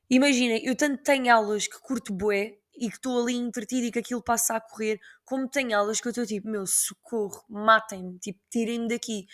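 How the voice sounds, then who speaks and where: Chatty young woman, slangy. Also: fairly high pitch. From Portugal. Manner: slangy, chatty, animated storytelling. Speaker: podcast host. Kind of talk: casual solo podcast chat.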